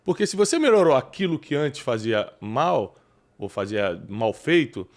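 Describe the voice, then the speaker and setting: A man hosting a talk show, animated and preachy, often bringing in scripture. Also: mid-range voice, a little slow. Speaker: podcast host. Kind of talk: casual chat.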